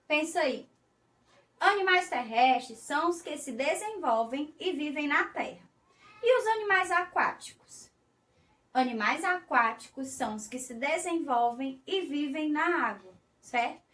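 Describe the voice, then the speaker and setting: Slow, bright-voiced Brazilian woman teacher. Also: high voice, echoey room, recorded from a distance. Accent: Brazilian Portuguese. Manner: slow, coaxing, sing-song teacher talk. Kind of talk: recorded remote class for young children.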